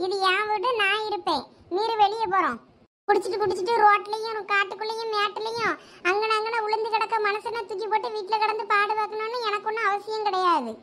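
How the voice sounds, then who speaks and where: High-voiced defiant village woman, Thoothukudi accent. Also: steady tone, fast, bright, forceful tone, slight background noise. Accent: Thoothukudi Tamil. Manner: scolding, blunt, defiant. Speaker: village wife and mother in a web drama. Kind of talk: amateur village drama acting.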